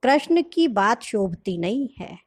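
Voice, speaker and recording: Slow-speaking woman giving a spiritual talk. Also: fairly high pitch, sing-song. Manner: gentle, explanatory, quotes the teacher then comments. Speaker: spiritual teacher. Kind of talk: sermon explaining a scripture reading.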